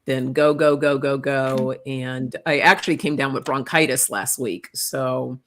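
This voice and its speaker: A woman with a slightly raspy voice from a recent cough, casually co-hosting a live stream and greeting viewers by name. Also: extremely low pitch, fairly even intonation, a little slow, fairly bright tone. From Canada. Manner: easygoing, laughs often, greets viewers by name. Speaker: tarot channel co-host. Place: home room, live stream. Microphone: computer mic on a live call.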